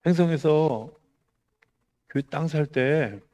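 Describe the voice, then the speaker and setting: A middle-aged male pastor giving a conversational Korean sermon. He asks the congregation rhetorical questions and swings between raised, emphatic lines and quiet, hushed ones. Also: fairly high pitch, slow.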